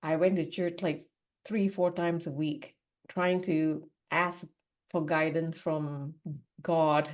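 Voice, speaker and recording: A woman's voice: low voice, steady tone, takes it slowly. A woman from Singapore, a podcast guest, telling her life story candidly in a rambling, conversational way. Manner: candid, rambling, frequent "you know" and "like". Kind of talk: personal storytelling in a podcast interview.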